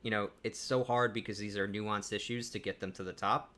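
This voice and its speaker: A man co-hosting a live panel talk, speaking in a relaxed, conversational way with frequent restarts. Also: on the low side, a little fast. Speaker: co-host.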